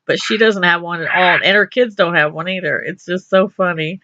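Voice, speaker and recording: A woman's voice: lowish voice, steady tone, fairly quick, pushed and bright, muffled recording, slight background noise. A middle-aged woman from Texas, a radio show host chatting with her guest in an upbeat, rambling way. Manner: chatty and upbeat, many restarts and laughs. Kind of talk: casual interview chat.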